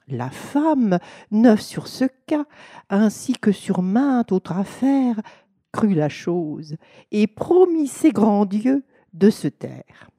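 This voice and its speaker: A woman reading a classic fable aloud in a measured, expressive storytelling manner. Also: mid-range voice, no echo, studio quality. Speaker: reader.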